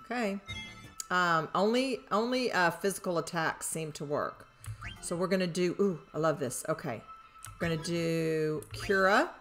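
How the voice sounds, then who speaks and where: An older woman streaming a video game, thinking aloud as she plays and bursting into excited squeals. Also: on the low side, measured pace, faint music behind. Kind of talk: live gameplay commentary.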